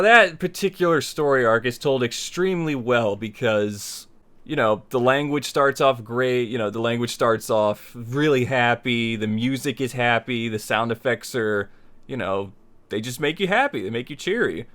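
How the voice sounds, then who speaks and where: A man with a smooth, clean voice at an ordinary male pitch hosts a tutorial. He talks informally to his viewers, circling back to restate points as he explains. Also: a bit bright. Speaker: host of a tutorial series on making visual novels. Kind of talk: casual scripted-outline tutorial talk to viewers.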